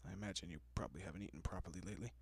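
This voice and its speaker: A man playing a gentle, courteous, possessive vampire in an intimate audio roleplay, speaking softly and often dropping to a whisper with hushed reassurance. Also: deep voice, rapid-fire, gravelly, husky, no room sound, full character voice. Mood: gentle, reassuring. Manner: hushed, reassuring, politely old-fashioned.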